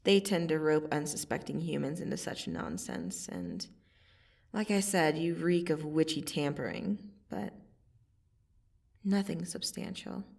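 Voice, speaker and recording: A woman playing a menacing yet softening vampire assassin in an ASMR roleplay, intimate and deliberate, often slipping into a breathy whisper. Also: deep voice, animated, recorded from a distance, heavily acted. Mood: teasing, curious. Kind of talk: ASMR roleplay, scripted dramatic monologue.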